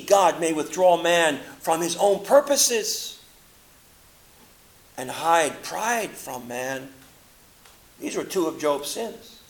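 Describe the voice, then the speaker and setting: High-voiced impassioned male preacher. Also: low-quality recording. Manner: swings between loud impassioned quotes and low quiet asides. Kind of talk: sermon.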